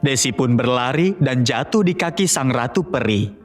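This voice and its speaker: A man's voice: medium pitch, lively intonation, normal speed, soft background music. A man narrating a scripted fairy tale for children as a storyteller.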